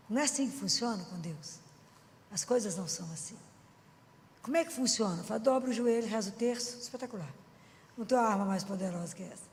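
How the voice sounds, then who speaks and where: A woman with a Minas Gerais accent giving a lively Catholic preaching talk, chatty and folksy, often asking the audience questions. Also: fairly high pitch. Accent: Minas Gerais Brazilian Portuguese. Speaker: Catholic lay speaker. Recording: long hall reverb.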